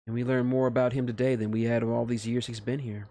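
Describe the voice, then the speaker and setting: A man voicing a gentle young princess, caring and earnest with a teasing streak, in a story read aloud. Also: medium pitch, little pitch movement, fast, natural voice. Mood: sad, earnest.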